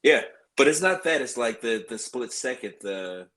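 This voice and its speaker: A man's voice: medium pitch, animated, normal speed, fairly bright tone. Man on a remote call, audio cutting in and out. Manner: blunt, swears freely. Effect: remote call audio cutting in and out, uneven volume. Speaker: podcast co-host. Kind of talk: casual podcast chat. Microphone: remote call connection.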